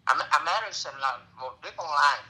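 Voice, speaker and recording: A middle-aged man telling a story in a casual, lively way, slipping into broken English phrases. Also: on the high side, normal speed, rough recording. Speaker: interviewee.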